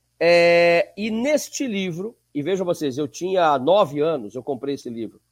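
A man talks with a fairly high pitch and ordinary pitch variation. The recording is very clean, with a silent background. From São Paulo, Brazil. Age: 50s. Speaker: law professor. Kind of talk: interview conversation. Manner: hesitant, frequent fillers.

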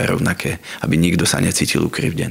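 A man speaks fairly quickly while noticeable background noise fills the recording. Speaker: national park director. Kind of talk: interview.

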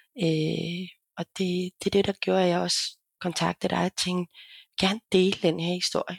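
A woman with a fairly low pitch speaks at a fairly slow pace in a monotone, flat intonation, the sound dry and close with no echo on a very clean recording with a silent background. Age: 40s. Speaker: social worker and consultant. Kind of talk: interview.

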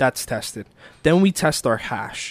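A man's fairly high-pitched, plain, everyday voice with an American accent and ordinary pitch variation, in a dry, close sound with no echo. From Florida. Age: 20s. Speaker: cannabis grower. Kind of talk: casual chat. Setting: dispensary.

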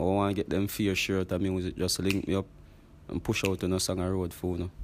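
The speech comes at a very fast pace with a strong Jamaican accent. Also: man. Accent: Jamaican patois, strong. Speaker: dancehall reggae artist. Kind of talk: interview.

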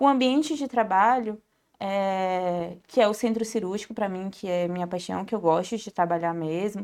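A woman talks with a normal speaking voice at a medium pitch and moderate pace. Her pitch varies in an ordinary way on a very clean recording with a silent background. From Salvador, Bahia, Brazil. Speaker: medical resident in anesthesiology. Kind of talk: casual interview.

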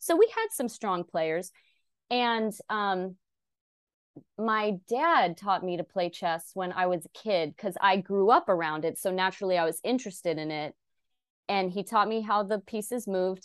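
A woman with a normal speaking voice talks at medium pitch and a moderate pace with ordinary pitch variation, the sound dry and close with no echo over a quiet background. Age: 30s. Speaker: chess club director and educator. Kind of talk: casual interview.

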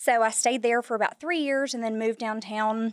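In a Tennessee accent, a woman talks with a dry, close sound with no echo. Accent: US Southern (Tennessee). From Memphis, Tennessee. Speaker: accounting firm staff member. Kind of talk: casual interview.

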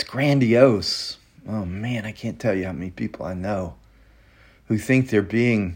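With a Southern US accent, a man talks at a fairly slow pace and a fairly low pitch with ordinary pitch variation. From US South, Mississippi. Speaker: Bible teacher. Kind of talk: teaching talk.

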